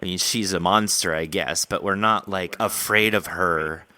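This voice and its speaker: A man's voice: deep voice, fairly even intonation, moderate pace, pushed and bright, no echo. A man hosting a podcast interview, chatting casually and enthusiastically with his guest.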